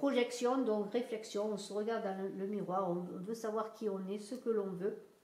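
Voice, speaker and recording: In a southern French accent, a woman speaks at a moderate pace with a fairly high pitch and a dark, mellow tone. Her intonation is monotone and flat, and the room echo is audible. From southern France. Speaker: tarot reader. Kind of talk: tarot reading. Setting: home video recording. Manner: hesitant, many fillers.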